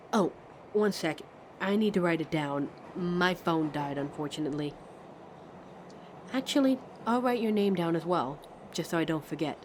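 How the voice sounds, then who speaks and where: A woman playing a pensive, friendly train passenger in a conversational ASMR roleplay, musing hesitantly as she talks to a stranger. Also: fairly low pitch. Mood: friendly, shy. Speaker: audio roleplay performer. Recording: steady train ambience noise. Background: train ride sound effects.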